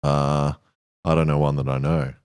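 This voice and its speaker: A man's voice: very deep voice, flat delivery, moderate pace, gravelly, a little mellow, clear, resonant tone, no room sound. A male streamer co-host in casual chat, offhand and a bit mumbly, with dry jokes.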